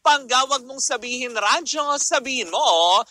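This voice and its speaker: A man's voice: very high-pitched, expressive, measured pace, sharp tone, dry recording. A man with a Filipino accent hosting live radio with casual chat, greetings and promos in a campy, playful manner. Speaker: radio DJ, show host. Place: radio studio.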